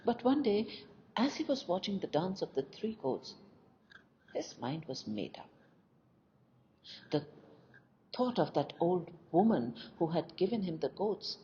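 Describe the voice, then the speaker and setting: A woman narrating a scripted folk tale as an audio story, with deliberate, expressive delivery. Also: on the low side. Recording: dull lo-fi recording with faint noise.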